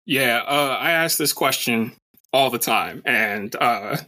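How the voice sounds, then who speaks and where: Bright-voiced co-host asking a question. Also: male voice, mid-range voice, slow pace. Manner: loose, hesitant question with "uh" fillers. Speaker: podcast co-host. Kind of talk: casual interview question.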